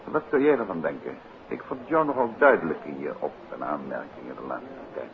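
Smooth old-time radio detective, deep voice that moves around a lot, dry and teasing, dull noisy vintage sound. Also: male voice, very animated, brisk. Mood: relaxed, teasing. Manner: urbane, dryly ironic. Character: unruffled, evasive middle-aged gentleman detective, teasing husband. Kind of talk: 1950s Dutch radio drama acting. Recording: muffled, noisy 1950s radio recording.

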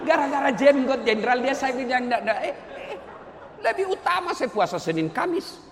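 Animated preacher man in an echoey hall. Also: a little slow, long pauses, crowd noise. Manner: animated, swings from loud exclaiming to low storytelling asides. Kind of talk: lively humorous sermon. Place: large hall before an audience. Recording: echoey hall, faint background noise.

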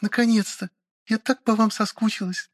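A man putting on a high gentle young noblewoman. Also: fairly even intonation, normal speed, dry recording, studio quality. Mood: warm. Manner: soft, earnest, kind. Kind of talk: audiobook character voice.

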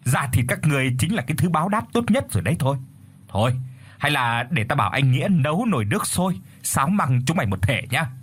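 A man's voice: a little high, very animated, fast talker, husky. A man playing a mocking village frog-catcher in a told folk tale. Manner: mocking, bossy. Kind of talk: storytelling.

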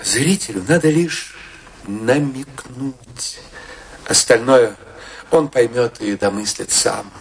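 A man's voice: mid-range voice, slow pace, a little hiss or hum. An actor playing a fervent, idealistic male artist in a radio play, theatrical and declamatory, savouring his words. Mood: impassioned. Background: music behind the voice.

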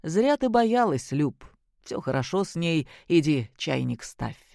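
A woman reading aloud and voicing a calm, dry-humored older husband and father, in a low, quiet and wry tone. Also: measured pace, gravelly, no echo, heavily acted.

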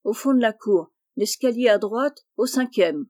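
A woman's voice: a little high, expressive, a little slow, mellow. A woman reading as a grumbling grey-haired porter. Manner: grumbling, scolding.

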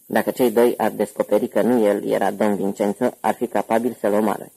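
A man narrating an audiobook in steady, even scripted storytelling. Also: on the low side, gravelly, slightly rough, low-quality recording.

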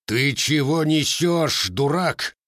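A man voicing a stern old Cossack grandfather who speaks in a gruff, growling way. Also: mid-range voice, sing-song, a little slow, no room sound, studio quality, pitched above the performer's own voice. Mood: angry.

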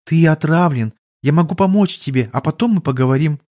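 A man's voice: fairly high pitch, lively intonation, brisk, a little mellow, voice pushed up, lightly acted. A man voicing a proud white-haired young serpent woman who speaks insistently, in a lecturing way.

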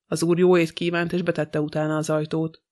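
A man's voice: on the high side, flat delivery, a little mellow, lightly acted. A man reading an audiobook, voicing a sly, gossipy old female housekeeper who talks with scorn. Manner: grumbling, scornful.

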